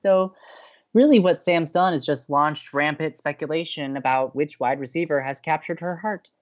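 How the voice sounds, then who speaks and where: An actor playing a gleeful, teasing young college radio co-host, bantering with dramatic emphasis. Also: male voice, a little high, moderate pace, lo-fi sound, lightly acted. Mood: amused, teasing. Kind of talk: bantering audio drama dialogue.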